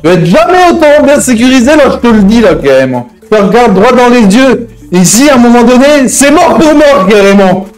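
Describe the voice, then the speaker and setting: Hot-headed game-roleplay gangster played by a man, high-pitched, slangy, bossy and threatening, repeating his verbal tics. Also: sing-song, fairly quick, few pauses, soft background music, poor audio. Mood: angry, menacing. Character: hot-headed male gang member threatening hostages. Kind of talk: improvised roleplay in an online crime game.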